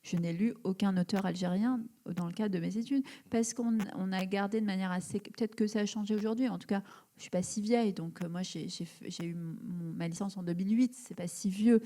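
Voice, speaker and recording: Before an audience in an event hall, a woman in her thirties from Algeria, a writer, takes questions in a live interview. Her medium-pitched voice is steady and mellow and moves a little fast, though she hunts for words amid frequent fillers and restarts.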